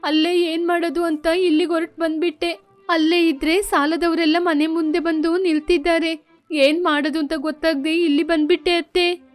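Woman as a desperate young wife, plaintive, high storybook voice. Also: level tone, moderate pace, soft background music. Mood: pleading. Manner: pleading, plaintive.

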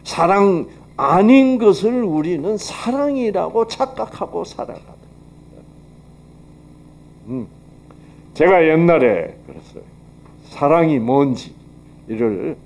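A man lectures at a health seminar and weaves Bible teaching into his talk. He speaks slowly in a fairly high voice whose pitch swings widely. He keeps the tone conversational and checks in with his listeners through frequent rhetorical questions. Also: sing-song, gravelly, darkish tone, a little hiss or hum. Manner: acts out quoted dialogue.

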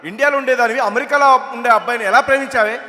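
A man's voice: very high-pitched, racing, pushed and bright, heavily acted. A man voicing a theatrical, lamenting father scolding his teenage daughter, on a reverberant stage. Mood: exasperated. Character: exasperated father of a teenage girl, dramatic.

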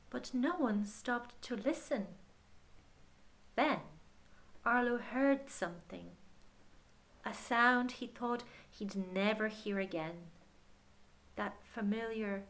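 Speaking directly to young listeners, a woman with a voice on the high side narrates a children's storybook expressively and deliberately, letting the ends of her phrases sink to a hush.

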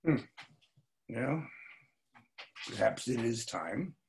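An older man playing a wary, reflective novelist in a staged reading, speaking deliberately with some hesitation. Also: medium pitch, lively intonation, gravelly, a little mellow, a little hiss or hum, full character voice, poor audio. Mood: guarded. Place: home study, video call.

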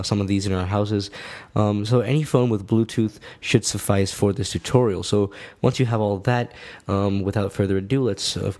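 A man with a fairly low voice hosts a tech tutorial. He explains things step by step in casual, informal language, as someone guiding viewers through a how-to. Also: darkish tone.

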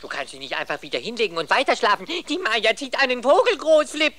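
Timid, fussy drone bee, bright and swinging in pitch, scolds and frets. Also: female voice, expressive, fast talker, slight background noise. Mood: indignant. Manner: fretful, scolding, chatty. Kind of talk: cartoon voice acting.

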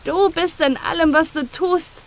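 A woman's voice: high voice, a little slow, pitched above the performer's own voice. A woman voicing a frightened, pious young boy who pleads in tearful prayer, in an audiobook reading. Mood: joyful.

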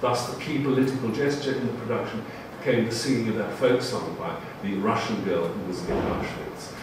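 Man with a lowish voice reading out his panel talk, formal, hall echo and hiss. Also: fairly even intonation. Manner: measured, formal phrasing. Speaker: panel speaker. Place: lecture room with audience. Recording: echoey room, far mic, audible noise.

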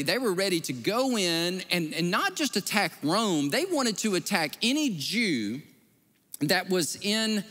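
A man preaching from the pulpit, his voice high and bright, leaping up and down in pitch as he acts out each voice in his story. The sound carries a long reverb from a large church sanctuary. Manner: animated storytelling, acting out quoted voices. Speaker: pastor. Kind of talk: sermon.

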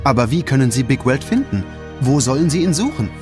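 A man's voice: medium pitch, sing-song, fairly quick. A man narrating a children's story in standard German with dramatic storytelling delivery. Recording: music behind the voice.

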